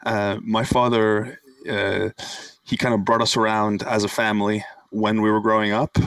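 Podcast guest, man with American accent, low voice, relaxed, recorded at a distance. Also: moderate pace, smooth, no room sound. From Italy. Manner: relaxed, with many uh fillers. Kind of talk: casual interview chat. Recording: distant dry mic.

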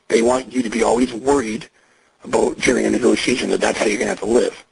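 A man on a recorded jail payphone call, coaching and reassuring the caller in a profane, steady way. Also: on the low side, quick pace, gravelly, rough recording. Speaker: agent on a phone call.

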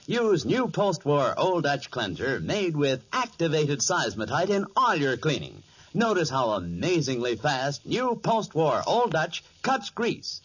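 A man's voice: a little high, fairly bright tone, slightly rough. A man announcing and narrating a scripted 1940s radio show in an emphatic, theatrical manner. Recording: dull 1940s radio recording.

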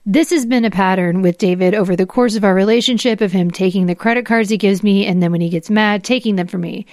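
Female podcast host, formal read-aloud of legal paperwork with small asides, mid pitch, very dry recording. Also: fast, darkish tone, dry recording. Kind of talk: dramatic reading of legal documents.

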